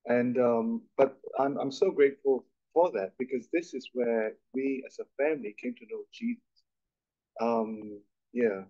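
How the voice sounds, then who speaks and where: A man's voice: mid-range voice, animated, measured pace, dark tone. A middle-aged man from Malaysia, a guest speaker, telling his story in a chatty, self-deprecating way with many restarts. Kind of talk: conversational interview on stage. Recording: dull lo-fi recording.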